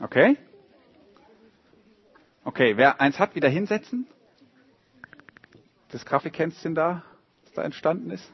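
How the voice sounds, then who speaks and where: A man reading a story aloud to a group of children and drawing pictures along with it, in a lively, animated way. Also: a little high, unhurried, pauses often, slightly rough, muffled recording.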